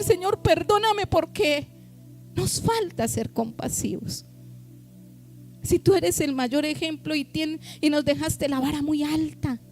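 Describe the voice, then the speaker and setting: High-voiced woman preaching with passion. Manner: impassioned preaching with drawn-out emphatic words. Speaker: pastor. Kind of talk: sermon. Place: church.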